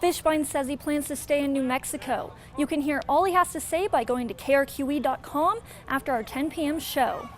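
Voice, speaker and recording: A woman's voice: sits high, fairly quick, few pauses. A woman with an American accent reading a scripted sports newscast as the anchor.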